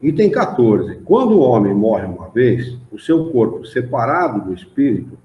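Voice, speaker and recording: Lively Brazilian man teaching a study class. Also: mid-range voice, normal speed. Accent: Brazilian Portuguese. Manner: explanatory, rhetorical questions, frequent "né?". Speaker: study group leader. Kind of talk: spiritist study class explanation. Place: meeting room of a study association. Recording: roomy, dull lo-fi room recording.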